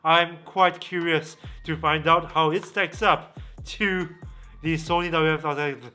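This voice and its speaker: Male tech reviewer, slightly high and sharp-edged voice, measured emphatic phrasing for a gadget comparison. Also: steady tone, faint music behind. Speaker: tech reviewer, vlog host. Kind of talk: product review to camera.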